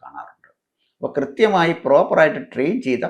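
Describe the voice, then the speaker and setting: A man speaks with lively intonation. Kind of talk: political commentary monologue. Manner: halting, phrase-by-phrase delivery.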